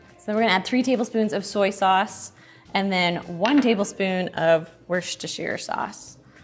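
A woman talks at a moderate pace while faint music plays behind her. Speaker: cooking video host. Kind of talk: tutorial. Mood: cheerful, upbeat. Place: kitchen. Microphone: lapel.

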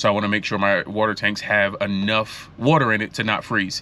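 An unremarkable speaking voice from a man, fairly low in pitch and fairly quick in pace, with a dry sound and no echo. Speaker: RV travel vlogger. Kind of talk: casual vlog chat. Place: car. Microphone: phone near.

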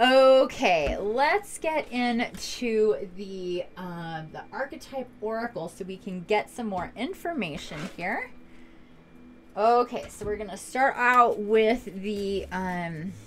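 Speaking at a very slow pace, a woman uses lively intonation with big swings in loudness. Light background noise can be heard. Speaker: tarot reader. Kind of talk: casual tarot reading chat. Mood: warm, upbeat. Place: home room.

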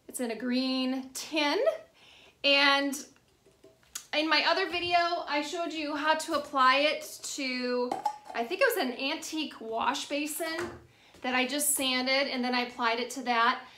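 With an American accent, a woman speaks in a raised, projected, high-pitched voice at a fairly slow pace, leaving long, frequent pauses, with ordinary pitch variation and light background noise. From US Midwest, Minnesota. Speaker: furniture refinisher. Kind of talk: tutorial. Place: workshop. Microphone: phone near.

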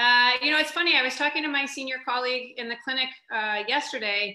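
With an American accent, a woman talks at a fairly quick pace with ordinary pitch variation, audible room echo and a quiet background. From Vermont, US. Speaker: pediatric physician; guest. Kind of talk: interview. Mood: calm, thoughtful. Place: kitchen. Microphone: video call.

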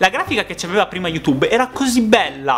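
A man speaks at a fairly quick pace with very wide pitch swings over light background noise. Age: 20s. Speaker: YouTuber. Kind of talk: casual talk to camera. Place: home room. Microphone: webcam.

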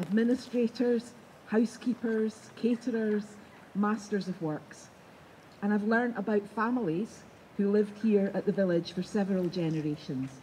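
A woman talks at a fairly slow pace with ordinary pitch variation. Light background noise sits behind her. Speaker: event host welcoming the audience. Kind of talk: public welcome speech. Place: garden. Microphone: podium.

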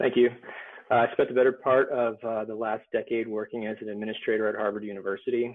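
A man with an American accent rattles along at a very fast pace, his medium-pitched voice monotone and flat. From Massachusetts. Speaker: school committee candidate. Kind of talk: formal candidate interview answers. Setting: video call. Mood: earnest, measured. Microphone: video call.

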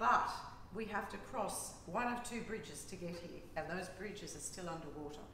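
A woman speaks with an Australian accent. There is audible room echo and light background noise. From Australia, Hawkesbury region near Sydney. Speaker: gallery curator. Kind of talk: informal walk-through gallery tour, chatting to camera painting by painting. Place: hall. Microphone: phone near.

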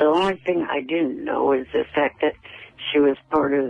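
Fairly even intonation comes through over music in the background. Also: man. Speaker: radio show caller. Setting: phone.

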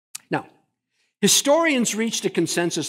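A man talks with a Canadian accent. The background is quiet. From Ontario, Canada. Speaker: pastor. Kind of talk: lecture. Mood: earnest appeal at close. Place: hall.

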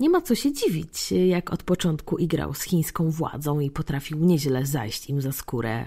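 On a very clean recording with a silent background, a woman's somewhat breathy, dark, mellow voice sits fairly low in pitch at a moderate pace. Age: 30s. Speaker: podcast host. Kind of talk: storytelling monologue.

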